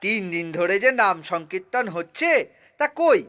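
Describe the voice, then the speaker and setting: A man voicing a pious, needling village neighbor in a children's cartoon, with a drawn-out, theatrical delivery. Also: sits high, very animated, clear, resonant tone, exaggerated voice. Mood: sly, needling. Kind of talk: Bengali children's cartoon voice acting. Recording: loud music behind the voice.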